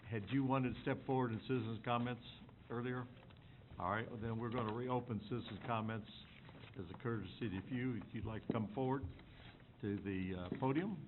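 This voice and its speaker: A man formally chairing a city commission meeting, calling votes and courteously inviting comment. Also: medium pitch. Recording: phone-like lo-fi council recording with clear hiss.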